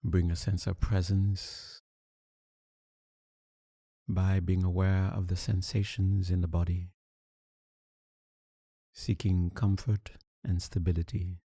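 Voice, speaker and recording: A man leading a guided meditation, calm and soothing, speaking in deliberate short phrases with long pauses. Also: low voice, breathy edge, dry recording, studio quality. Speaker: meditation teacher.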